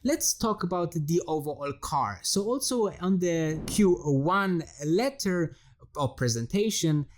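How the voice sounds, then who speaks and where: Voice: medium pitch, expressive, measured pace, slight background noise. A host with gives enthusiastic, conversational stock investing commentary, addressing viewers directly and emphatically.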